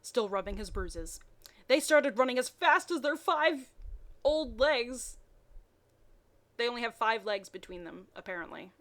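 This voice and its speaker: A woman reading amateur fiction aloud in a mocking way, dropping in wry, deadpan asides. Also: fairly high pitch, unhurried, long pauses. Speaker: reader and commentator.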